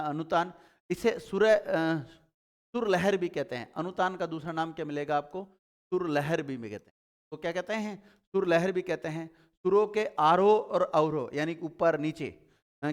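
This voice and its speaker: Male tutor, slightly high and very clean voice, patient step-by-step classroom explainer who quizzes then answers. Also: clear, resonant tone. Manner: explains step by step, asks and answers his own questions. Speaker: teacher. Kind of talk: classroom grammar lesson.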